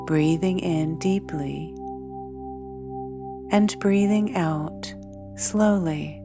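A woman leading a guided meditation in a soothing, measured way, leaving long pauses between phrases. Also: sits low. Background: meditation music with singing bowls.

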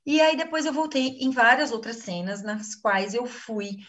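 A woman's voice: a little high, expressive, normal speed, a bit bright, far from the mic, highs cut off. A Brazilian woman giving an earnest personal testimony in a live class, acting out the things she once said. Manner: earnest, acts out her own quoted speech.

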